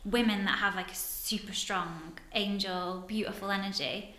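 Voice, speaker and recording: Chatty woman, bright voice. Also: medium pitch, fairly even intonation, moderate pace, reverberant. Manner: chatty, uses many fillers like "like". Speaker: guest, therapist for women. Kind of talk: casual podcast conversation.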